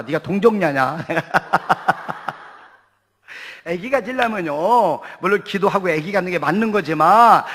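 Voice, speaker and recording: A male pastor preaching a sermon in a church, telling stories with humor. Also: sits high. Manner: lively storytelling with humor. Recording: church hall reverb.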